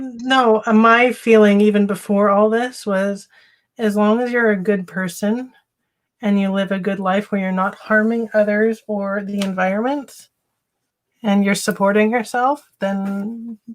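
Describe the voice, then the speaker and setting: A woman speaks in an ordinary speaking voice at medium pitch, with fairly even intonation and a fairly slow pace. The recording is very clean, with a silent background. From Canada. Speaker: artist. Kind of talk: casual chat. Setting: live stream.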